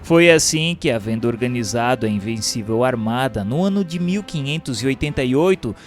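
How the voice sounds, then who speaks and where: A man with a Brazilian accent reads scripted historical narration in a formal, solemn, measured delivery. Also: mid-range voice, expressive. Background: music bed.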